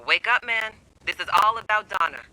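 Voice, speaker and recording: Sharp, taunting, suspicious holdout. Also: male voice, sits high, animated, a little fast, heavily acted, rough recording. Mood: angry, urgent. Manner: taunting, sardonic, swearing. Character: defiant, suspicious escaped-prison holdout, sardonic man. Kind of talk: video game voice acting.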